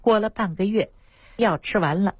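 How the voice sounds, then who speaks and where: A woman doctor, telling lively anecdotes about patients on a radio talk show. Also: mid-range voice, normal speed, husky, no echo. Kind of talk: storytelling health talk on radio.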